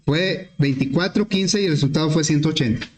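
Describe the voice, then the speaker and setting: A man teaching programming, explaining step by step with questions to the class and often clearing his throat. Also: on the high side, fairly quick. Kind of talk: screen-recorded class explanation. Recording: echoey room.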